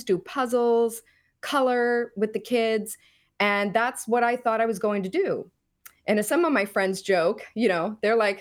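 Middle aged lady guest on a podcast, mid pitch, explaining stuff deliberately n emphatically. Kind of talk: explanatory personal account in an interview.

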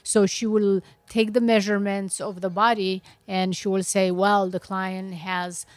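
A woman's voice: mid-range voice, little pitch movement, no room sound. Romanian-accented woman telling her story. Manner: earnest, halting, many restarts. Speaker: guest, beauty entrepreneur. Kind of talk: interview storytelling.

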